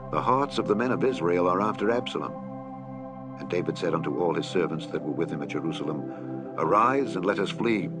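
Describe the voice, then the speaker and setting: Male narrator, low voice, solemn measured Bible reading, music bed underneath. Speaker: Bible reader. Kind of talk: scripture reading. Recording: reading over clear background music.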